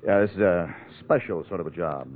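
A man acts a scheming crook from an old radio crime play. His voice is very deep, clipped and commanding. The broadcast sound is narrow and muffled, with faint noise behind. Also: brisk, lightly acted. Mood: curt, urgent. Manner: terse, tough, commanding. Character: curt, scheming male crook planning a getaway. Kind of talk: 1940s radio crime drama acting.

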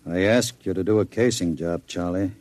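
An actor playing a smooth, scheming gangster who talks in a suave, menacing drawl, in a vintage radio drama. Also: male voice, low-pitched, normal speed, a little mellow, no echo, natural voice. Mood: commanding. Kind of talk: 1940s radio acting.

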